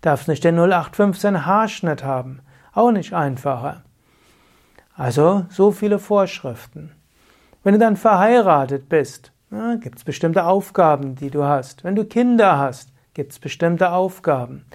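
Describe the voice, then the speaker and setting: Calm man giving spiritual teaching. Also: a little high, measured pace. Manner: calm, instructive, addresses the listener directly with repeated phrases. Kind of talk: spoken spiritual teaching to camera.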